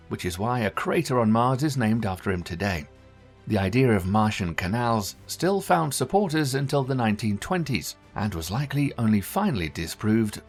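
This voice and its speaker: A man reading a scripted documentary narration in a measured, even storytelling manner. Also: on the low side. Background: faint background music.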